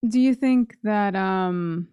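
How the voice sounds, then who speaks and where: A woman's voice: medium pitch, takes it slowly, mellow, smooth, dry recording, highs cut off. A woman co-hosting a podcast in a casual, conversational style. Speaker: podcast co-host.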